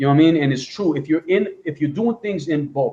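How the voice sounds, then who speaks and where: A man's fairly high, somewhat breathy voice with a dark, mellow tone, an American accent, and ordinary pitch variation. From New Jersey / New York City area, US. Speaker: Amazon merch seller, show co-host. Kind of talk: casual livestream chat. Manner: animated.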